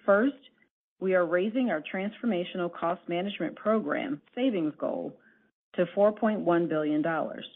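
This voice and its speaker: A woman company executive giving a formal, scripted earnings presentation in a measured, deliberate way over a conference call line. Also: lowish voice. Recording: narrowband phone conference line.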